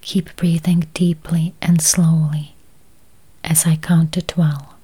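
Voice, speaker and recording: A woman leading a guided meditation in a soft, breathy near-whisper, with calm, soothing, deliberate phrasing. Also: low voice.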